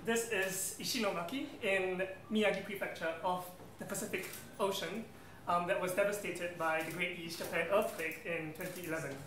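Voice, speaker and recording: This high-pitched man keeps a steady tone at a moderate pace, his voice pushed and bright. He's a thirtysomething guest speaker from Singapore presenting in an event room, full of ums and friendly asides. Faint noise and a roomy hall sound fill the recording.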